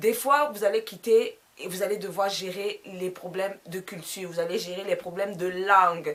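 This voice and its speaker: Spoken with hardly any pauses and fairly even intonation, the clip carries noticeable background noise. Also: woman, medium pitch for a woman, moderate pace. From Cameroon. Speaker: YouTuber. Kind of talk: casual vlog talk. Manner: hesitant, many fillers.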